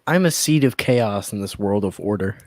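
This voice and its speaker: A man co-hosting a comedy podcast, playing goofy and deliberately clueless. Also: lowish voice, expressive, darkish tone, no echo, studio quality. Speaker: podcast co-host. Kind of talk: casual comedy chat.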